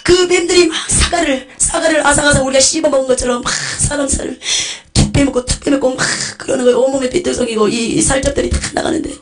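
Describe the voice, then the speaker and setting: Fast, fervent woman giving tearful testimony. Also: high-pitched, fairly even intonation, faint music behind. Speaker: testimony speaker. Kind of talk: emotional testimony sermon.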